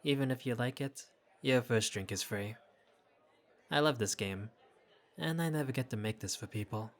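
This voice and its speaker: A man's voice: mid-range voice, moderate pace, close to an everyday voice. A man playing a flirty, easygoing bartender who teases and chats with a patron in an audio roleplay. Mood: playful, pleased. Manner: playful, teasing, casual. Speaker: bartender character. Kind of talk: intimate audio roleplay, conversational acting.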